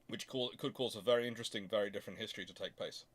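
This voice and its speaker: A man's voice: fairly low pitch, fairly bright tone. A man hosting a history talk, answering questions off the cuff and often stopping to rephrase as he thinks aloud. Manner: halting, thinking aloud with repeated self-corrections. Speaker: host of a naval history channel.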